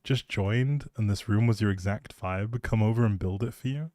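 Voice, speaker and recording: Low, mellow young man, playful livestream chat. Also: moderate pace, no room sound, clean studio sound. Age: young adult. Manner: playful, jokey, chatting back to viewers. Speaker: live streamer and audio creator. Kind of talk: rambling casual chat on a game livestream.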